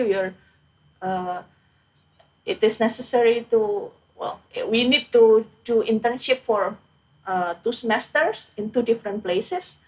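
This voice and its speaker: A woman's voice: mid-range voice, low-quality recording. A young woman from Indonesia in a casual interview, talking about her PhD path with many fillers and restarts.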